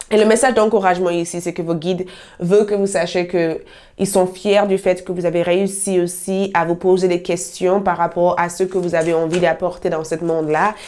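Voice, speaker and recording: At a moderate pace, a woman speaks in a medium pitch with a dark, mellow tone and flat, monotone intonation. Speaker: tarot card reader. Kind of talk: tarot reading.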